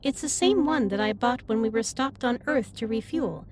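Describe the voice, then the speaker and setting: A woman playing a gentle, earnest female alien starship captain in an audio roleplay, speaking in formal, precise sentences straight to the listener. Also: fairly high pitch, expressive, normal speed, lightly acted. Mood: curious. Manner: formal, precise, slightly stilted wording.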